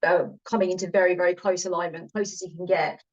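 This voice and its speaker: Woman, panel guest, lowish voice, dull lo-fi call audio, eager and thinking aloud. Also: steady tone, quick pace. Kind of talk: casual panel discussion.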